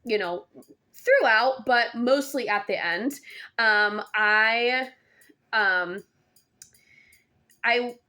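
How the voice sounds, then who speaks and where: A woman's voice: on the high side, very slow, pauses often, bright, forceful tone. Chatty young woman reviewing a book. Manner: chatty, many ums and restarts. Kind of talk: casual book review vlog.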